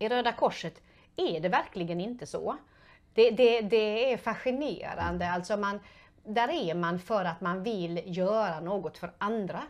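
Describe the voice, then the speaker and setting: Medium-pitched female voice, fairly slow, its pitch varying in an ordinary way. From Skåne, southern Sweden. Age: 50s. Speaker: prosecutor and former local politician; interviewee. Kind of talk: interview; interview answer. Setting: filmed interview. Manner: halting. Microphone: lapel.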